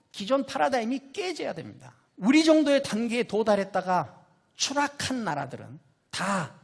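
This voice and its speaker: A man's voice: high voice, a bit bright. A man giving an impassioned, emphatic rallying political speech, building rhetorical questions into rousing appeals. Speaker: political speaker and scholar.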